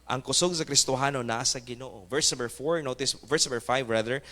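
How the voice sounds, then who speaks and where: A man's voice: mid-range voice, fairly quick, bright, forceful tone. A male pastor preaching a fervent sermon, mixing English exhortations into his talk. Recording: echoey church hall.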